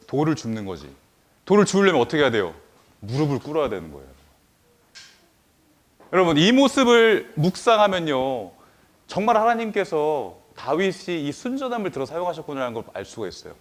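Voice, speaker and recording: A man, a pastor, giving an animated children's sermon, asking listeners questions and often trailing off softly at the ends of phrases. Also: on the high side, fairly quick. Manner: animated, many rhetorical questions, addresses listeners directly.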